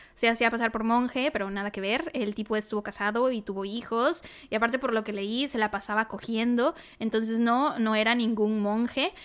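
This woman has an unremarkable speaking voice, with fairly even intonation at a moderate pace. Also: fairly high pitch for a woman. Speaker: true crime podcast co-host. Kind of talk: casual storytelling chat.

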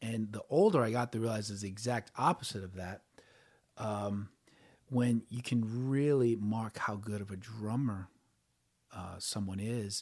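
A normal speaking voice with an American accent, fairly even intonation and a moderate pace, in a very clean recording with a silent background. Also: man. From New Orleans, US South. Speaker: musician. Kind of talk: casual chat.

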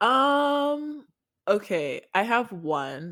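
A woman's voice makes very wide pitch swings. The recording is very clean with a silent background. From Nigeria (Igbo family, born in South Africa). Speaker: podcast co-host. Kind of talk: casual chat.

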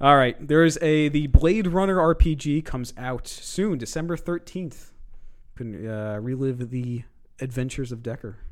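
A normal speaking voice with an American accent, lively intonation, big swings in loudness and a moderate pace. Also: man, fairly high pitch for a man. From New York City. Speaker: podcast co-host, gaming news segment. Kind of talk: casual chat.

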